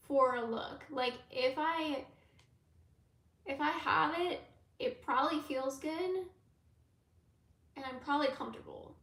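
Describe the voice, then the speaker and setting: A woman who reads tarot, chatting with viewers in a live question-and-answer stream. She rambles in a laid-back way and fills pauses with ums and likes. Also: high voice, a bit bright. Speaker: tarot reader and YouTuber. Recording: echoey room.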